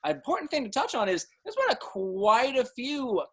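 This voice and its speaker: A man's voice: extremely high pitch, very animated, normal speed, slightly rough. A man in his thirties hosting a casual interview, moving things along conversationally. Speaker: interview host. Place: indoor room, video call.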